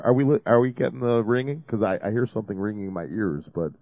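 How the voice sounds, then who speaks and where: A man's voice: lowish voice, expressive, fast talker, no room sound, narrow, tinny audio. A man hosting a call-in radio show, talking in a chatty, rambling, jokey way while he has a cold. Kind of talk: casual call-in radio talk. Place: radio studio.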